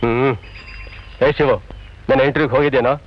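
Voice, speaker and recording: A man's voice: mid-range voice, steady tone, fast talker, slight background noise, lightly acted. An actor playing an earnest young man who lectures his friends. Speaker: jobless idealist friend. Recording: dull old film soundtrack with music.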